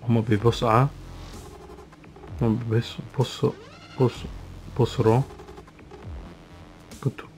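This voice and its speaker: A young man in his twenties recording a self-study language vlog in a small room, halting and correcting himself as he drills phrases. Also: mid-range voice, flat delivery, a little mellow, faint music behind. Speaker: language learner vlogger. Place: small room with curtain backdrop.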